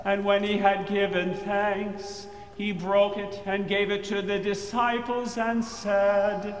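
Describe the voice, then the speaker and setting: High-pitched male pastor chanting in echoing chapel. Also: little pitch movement. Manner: solemn, measured. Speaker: pastor leading communion liturgy. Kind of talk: chanted and intoned liturgy. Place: large chapel, indoors. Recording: cathedral-like echo, long chapel reverb, faint noise.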